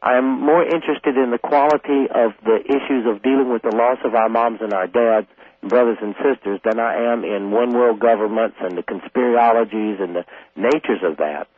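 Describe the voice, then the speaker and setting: A man in his forties from South Carolina speaks calmly and earnestly at length. His voice comes over a thin, tinny phone line with a dry sound. He sits at an ordinary middle pitch. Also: moderate pace, slightly rough, no room sound. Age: 40s. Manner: calm, earnest and long-winded. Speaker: radio guest. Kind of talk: call-in radio conversation.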